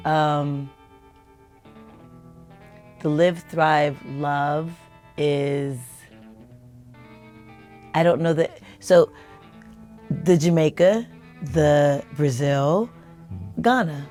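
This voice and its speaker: A woman co-hosting a casual family talk, thoughtful and measured, often trailing off mid-thought. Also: sits low, a little mellow, soft background music. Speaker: podcast co-host.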